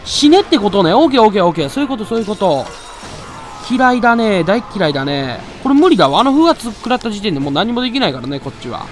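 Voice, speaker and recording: A man giving excitable live gameplay commentary, loudly taunting and grumbling at the monster he is fighting. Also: high voice, quick pace. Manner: excitable, trash-talks the monster with rough taunts. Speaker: let's play commentator. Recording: loud game music behind voice. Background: game music.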